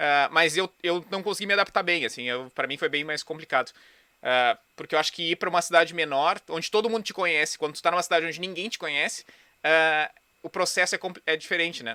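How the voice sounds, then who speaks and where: Very fast and high-pitched, a man speaks in a bright, sharp tone with ordinary pitch variation, the sound dry and close with no echo. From southern Brazil, Porto Alegre. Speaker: podcast host. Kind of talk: interview conversation.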